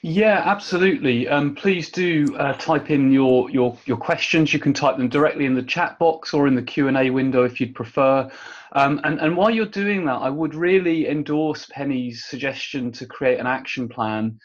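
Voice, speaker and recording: A man hosting a webinar and inviting questions, halting and repeating words. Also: medium pitch. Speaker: webinar host. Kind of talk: webinar moderation. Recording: muffled lo-fi call audio.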